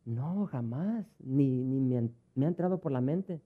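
A woman's voice: very deep voice, lively intonation, unhurried, exaggerated voice. A man mimicking an indignant older woman. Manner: emphatic denials. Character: older woman, indignant, insists she never sinned. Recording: tinny phone-like sound.

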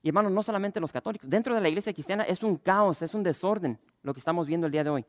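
A man, a pastor preaching a lively sermon and asking the congregation questions. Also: sits high, rapid-fire, no echo.

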